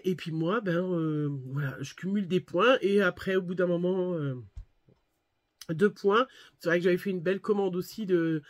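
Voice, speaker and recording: A woman's voice: mid-range voice, no echo. A French woman with a head cold, rambling casually through a shopping haul with lots of hesitations. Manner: rambling, many fillers and restarts. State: congested with a cold. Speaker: scrapbooking vlogger. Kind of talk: casual haul chat to viewers.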